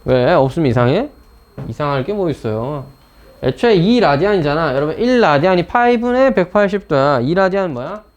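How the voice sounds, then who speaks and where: A man's voice: fairly high pitch, lively intonation, brisk, muffled recording. A man teaching a math class, joking and teasing his students as he explains. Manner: teasing, chatty, talks straight to students. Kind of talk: classroom lecture.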